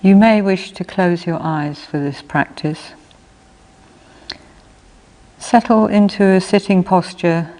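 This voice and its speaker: Slow woman guiding meditation in reverberant church. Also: lowish voice, a little mellow. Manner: unhurried, measured, with long pauses. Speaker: minister leading meditation. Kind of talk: guided meditation. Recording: long reverb of a church hall.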